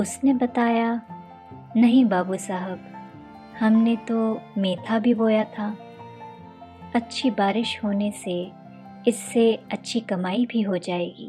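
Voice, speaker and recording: Over music in the background, a woman with a fairly high pitch speaks in a soothing, calm tone with fairly even intonation and long, frequent pauses. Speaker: sleep story narrator / voice over artist. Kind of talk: sleep story narration. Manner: slow, soothing, calm.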